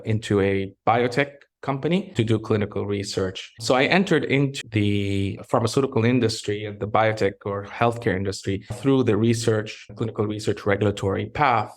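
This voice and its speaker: Low-voiced, reflective middle-aged man from Egypt. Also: darkish tone. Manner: measured, reflective, with frequent restarts. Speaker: pharmaceutical executive guest. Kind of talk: interview conversation.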